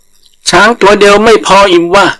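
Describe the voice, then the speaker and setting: Man playing a high-pitched, boastful trickster rabbit. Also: fairly even intonation, moderate pace, sharp tone, poor audio. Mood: boastful bluffing. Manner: bluffing, brash, swaggering.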